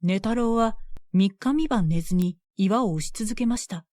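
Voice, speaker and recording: A woman telling a scripted bedtime story in a gentle, even storytelling manner. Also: medium pitch, moderate pace, no room sound, clean studio sound.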